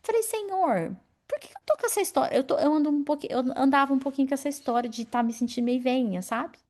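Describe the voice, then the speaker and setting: A woman in her forties preaching a sermon in an animated, personal way, calling on members of the congregation by name. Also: high-pitched, quick pace. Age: 40s. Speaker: pastor.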